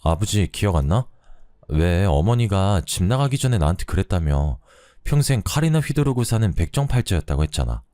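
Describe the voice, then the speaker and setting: A man's voice: low voice, very animated, fairly quick, warm tone, dry recording, studio quality. A man voicing an eager grown son, coaxing his father.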